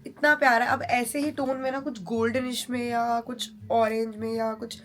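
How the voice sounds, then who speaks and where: A woman's voice: on the high side, flat delivery, moderate pace. A woman vlogging in a chatty way, talking straight to her viewers while she cooks and shops. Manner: chatty, addresses viewers as guys. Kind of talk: casual vlog chat to camera.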